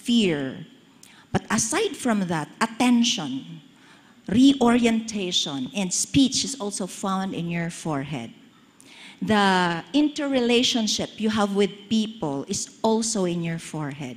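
A woman speaks at a fairly slow pace with a somewhat breathy voice and lively intonation. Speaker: conference presenter. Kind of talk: lecture. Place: church. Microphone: handheld.

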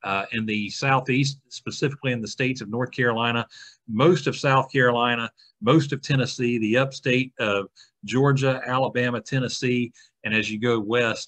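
A man talks at a moderate pace, his intonation fairly even, with a quiet background behind him. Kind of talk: forecast presentation. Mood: friendly, light. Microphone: webcam.

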